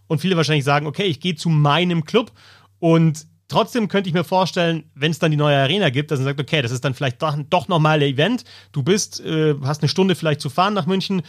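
Male co-host, slightly high voice, discursive chat in a dry studio. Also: fast talker, no echo. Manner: lists examples, thinks aloud with fillers. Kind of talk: casual sports chat.

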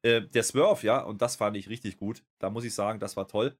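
A man's voice: on the low side, a little fast. Man, podcast co-host, casual chat, ranting, lots of fillers. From Germany. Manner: animated, ranting with many fillers.

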